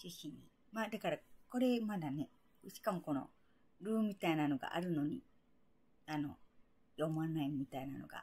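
A moderate pace broken by long, frequent pauses. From Japan. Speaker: VTuber language learner. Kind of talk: study-along tutorial. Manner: halting, many fillers.

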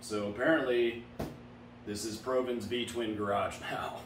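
There is audible room echo and light background noise around this man's voice. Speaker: motorcycle repair channel host. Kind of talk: casual vlog chat. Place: garage. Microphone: camera far.

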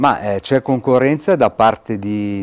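A man's voice with fairly even intonation at a moderate pace. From Varese province, Lombardy, northern Italy; Lombardy, Italy. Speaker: bocce club president. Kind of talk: TV studio interview. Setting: TV studio. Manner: hesitant, many fillers. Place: studio. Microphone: lapel.

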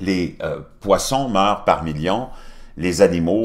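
Spoken at a very slow pace with ordinary pitch variation, this voice carries a Quebec accent. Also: man. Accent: Québécois French. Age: 60s. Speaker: online news commentator. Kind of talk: commentary monologue. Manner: casual, with frequent hesitations. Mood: critical, concerned.

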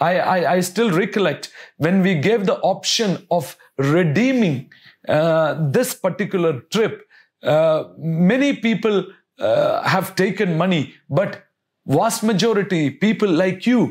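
The background stays quiet. A man speaks fairly slowly, his pitch varying in an ordinary way. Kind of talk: motivational address. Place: office. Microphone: lapel.

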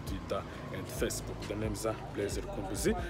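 Clear background music behind a male speaker. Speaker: house sale vlogger. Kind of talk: casual vlog chat. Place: street. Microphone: phone near.

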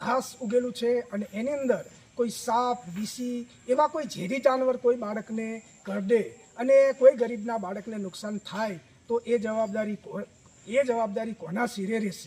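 Extremely high pitch marks this man's voice. His intonation stays fairly even. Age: 60s. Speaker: villager. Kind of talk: interview complaint.

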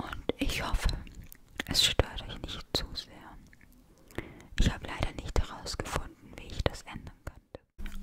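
A soft-spoken woman whispers at a fairly slow pace, leaving long, frequent pauses. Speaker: ASMR creator. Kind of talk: soft-spoken ASMR talk and trigger words. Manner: soft close-mic ASMR whisper. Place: home room. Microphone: studio mic.

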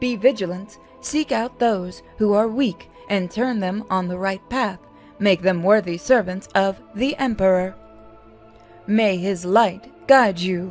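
A female-sounding, robotic put-on character voice at a medium pitch moves at a fairly slow pace over clear music in the background. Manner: solemn, commanding.

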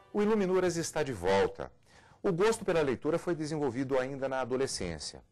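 With faint music behind him, a man talks fairly quickly at a fairly high pitch, his voice making very wide pitch swings. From Brasília, Brazil. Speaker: TV literary program host. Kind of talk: interview. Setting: studio in a library. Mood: calm, measured. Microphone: lapel.

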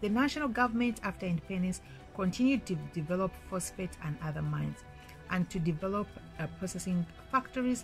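A woman speaks at a fairly quick pace, with faint music behind her. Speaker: educational vlogger. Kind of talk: informational talk, partly read. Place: home room. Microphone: phone near.

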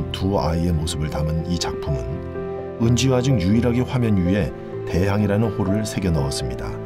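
Clear music sits in the background as a man speaks at a moderate pace. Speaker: actor. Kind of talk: museum audio guide narration. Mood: calm, warm, reflective. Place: booth. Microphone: studio mic.

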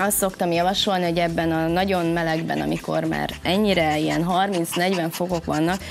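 The speaker keeps a moderate pace and a fairly even intonation. Light background noise can be heard. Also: woman. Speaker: guest. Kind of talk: interview answer. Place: studio.

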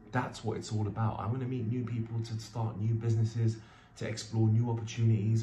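Someone with a London accent talks at a very fast pace. Audible room echo and light background noise are present. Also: man. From London, England. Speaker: vlogger. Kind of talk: casual vlog monologue. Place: home room. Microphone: phone near.

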